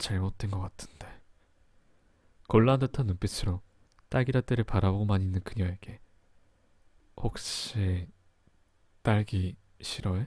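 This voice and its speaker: Very slow, somewhat breathy speech from a man at a fairly low pitch, with fairly even intonation, long, frequent pauses and a very clean recording with a silent background. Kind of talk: romance roleplay story narration.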